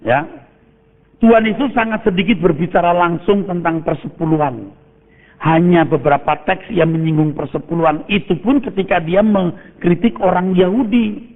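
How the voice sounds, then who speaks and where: A middle-aged male pastor preaching an emphatic sermon with big swings in pitch and loudness, often asking the congregation "right?". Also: normal speed. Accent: Indonesian. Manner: mixes in casual Jakarta slang and English words. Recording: phone-like audio in a reverberant hall.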